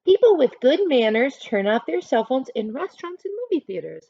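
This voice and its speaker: A woman reads aloud to children as their teacher, in a fairly high and very animated voice. She breaks off for chatty explanations in an expressive, instructive way. The recording is dry and a little dull. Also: brisk, creaky, dry recording. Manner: expressive, instructive, acts out short examples. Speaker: teacher reading a picture book aloud to children. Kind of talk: read-aloud lesson with chatty asides to children.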